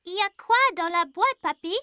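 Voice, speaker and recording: A woman voicing a curious, excitable four-year-old boy in a dubbed children's cartoon. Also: very high voice, a little fast, dry recording.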